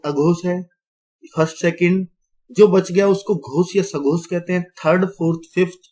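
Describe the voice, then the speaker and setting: A man teaching grammar to an online class, his voice sitting a little high for a man. He moves step by step, keeps checking in with his viewers, and voices each sound aloud to show how it is made. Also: a little mellow. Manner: explains step by step, repeating "theek hai" and addressing viewers as friends; demonstrates sounds aloud while pointing at written letters. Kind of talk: classroom-style explanation to viewers.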